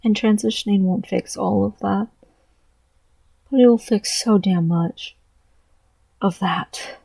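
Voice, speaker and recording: A trans man talking through his thoughts in a personal vlog, halting and earnest, with a voice he describes as deeper than most girls'. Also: mellow, no room sound. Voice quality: low voice with gravelly fry. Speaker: vlogger.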